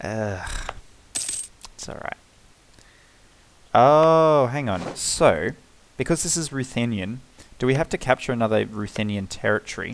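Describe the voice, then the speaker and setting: This man has an Australian accent. His pitch varies in an ordinary way. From Australia, Melbourne. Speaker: video game let's play host. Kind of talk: gameplay commentary. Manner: casual, thinking aloud.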